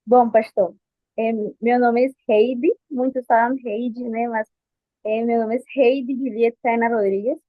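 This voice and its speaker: On a dry, phone-like recording, a Colombian woman in her twenties answers interview questions in Portuguese, her second language, with a Colombian Spanish accent. Her voice is on the high side and steady in tone, a little slow. As a guest she sounds nervous, hesitating and restarting often.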